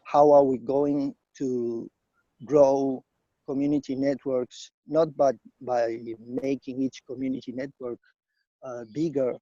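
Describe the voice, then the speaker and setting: Slow-speaking man, dull sound. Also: mid-range voice, fairly even intonation, dark tone, no room sound. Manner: hesitant, halting phrasing. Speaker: community network organization representative, speaker. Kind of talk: semi-prepared conference presentation.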